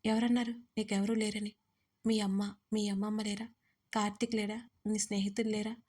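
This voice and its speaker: A woman voicing a calm, blunt young husband in an audio story, steady and unmoved. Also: medium pitch, moderate pace, close to an everyday voice. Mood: coaxing.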